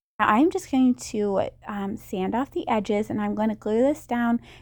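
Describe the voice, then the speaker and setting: A woman at a fairly slow pace. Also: very clean recording, silent background. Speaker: DIY crafter and YouTuber. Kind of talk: tutorial voiceover. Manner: hyper.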